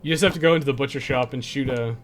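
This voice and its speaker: Man, game streamer, background music, medium pitch, casual chat, rambling delivery, sweary. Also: very fast. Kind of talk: casual livestream chat while playing.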